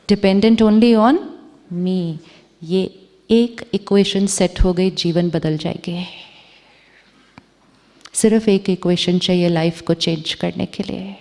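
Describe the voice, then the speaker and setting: A woman spiritual teacher giving a measured talk to a live audience, repeating rhetorical questions to the room. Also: medium pitch, mellow. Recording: long hall reverb.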